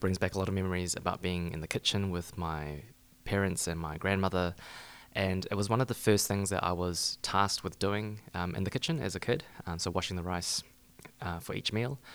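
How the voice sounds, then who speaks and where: A man with a New Zealand accent speaks at a fairly quick pace in a very deep, low voice with ordinary pitch variation, recorded very cleanly against a silent background. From New Zealand, Lower Hutt. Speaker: poet and editor. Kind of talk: casual interview chat.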